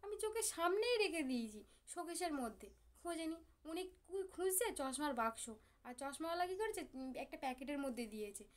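A woman from Bengal chatting to her viewers in a halting way, full of fillers, about grief and family squabbles. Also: sits high, expressive. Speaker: vlogger. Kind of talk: casual chat to viewers.

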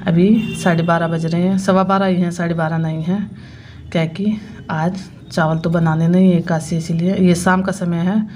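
A woman's voice: fairly low pitch, level tone, normal speed, warm tone, slight background noise. A woman in her thirties from India, chatting through a casual voice-over of her family's daily routine and explaining each clip. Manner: chatty, explains what is on screen step by step. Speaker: family vlogger and mother.

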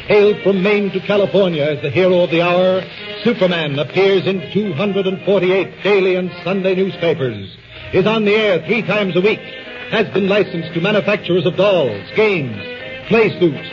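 High-pitched American radio announcer man. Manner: declamatory, emphatic. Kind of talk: scripted 1940s promotional radio narration. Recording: muffled 1940s radio recording. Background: music.

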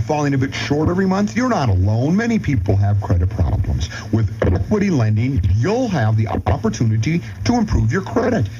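Mellow man with lively intonation. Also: medium pitch, a little hiss or hum. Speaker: radio personality reading an endorsement. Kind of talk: scripted radio ad read. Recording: dull cassette recording of radio.

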